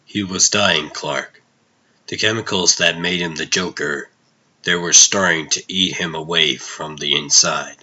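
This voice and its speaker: Man playing a very deep, brooding vigilante hero. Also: steady tone, sharp tone, dull audio, heavily acted. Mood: grim. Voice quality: low, tense. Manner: grave, deliberate. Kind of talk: dramatic comic dub acting.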